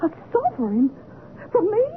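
High-pitched, flustered poor servant girl. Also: huge pitch swings, normal speed, heavily acted. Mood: amazed, eager. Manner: flustered, hesitant, deferential. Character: poor, hungry young former servant girl, wary and grateful. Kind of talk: old radio drama acting. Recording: noisy, tinny old radio broadcast.

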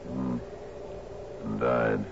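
An actor playing a grave, grieving older sea captain in a radio drama, halting and ruminative, with a gravelly voice. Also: male voice, extremely low pitch, flat delivery, full character voice. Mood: mournful. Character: grave, distracted old sea captain in mourning. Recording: muffled, noisy old radio broadcast recording.

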